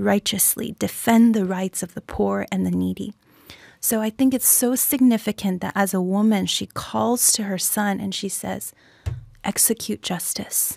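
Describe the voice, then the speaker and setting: Using an ordinary speaking voice of medium pitch, a woman speaks at a moderate pace with fairly even intonation, the sound dry and close with no echo in a very clean recording with a silent background. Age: young. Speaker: congressional candidate. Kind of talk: interview.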